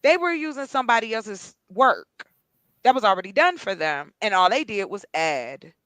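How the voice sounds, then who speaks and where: Bright-voiced woman host. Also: medium pitch, sing-song, moderate pace, no room sound. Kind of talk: casual chat.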